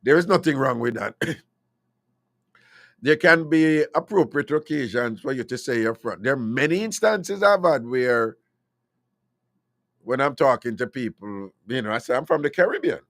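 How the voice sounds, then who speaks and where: A man's voice: medium pitch, expressive, normal speed, pauses often, fairly bright tone, no room sound, clean studio sound. A Jamaican man hosting a call-in radio talk show, opinionated and slipping into patois.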